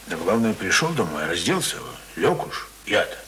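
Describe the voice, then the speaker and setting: A man's voice: lowish voice, very animated, normal speed, sharp tone. A man playing a plain-spoken, worried but kindly villager in a radio drama, muttering in colloquial rustic speech. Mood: agitated. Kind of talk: Soviet-style radio drama acting. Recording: hissy old radio play recording.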